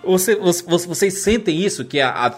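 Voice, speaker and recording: A man's voice: high-pitched, lively intonation, a little fast, husky, soft background music. A man with a Brazilian Portuguese accent talking casually about films in a rambling, slangy way, full of tag questions. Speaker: podcast panelist. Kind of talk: casual opinionated discussion of films.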